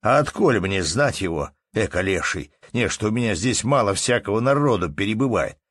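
A man voicing a hot-tempered innkeeper who scolds loudly in folksy speech. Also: lowish voice, animated, slow, no echo, clean studio sound, exaggerated voice. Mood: angry.

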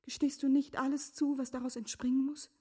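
An actress playing a composed, earnest middle-aged wife in a literary radio drama, speaking formally with a breathy, often hushed delivery. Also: female voice, high-pitched, level tone, brisk, close to an everyday voice. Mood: insistent, pleading.

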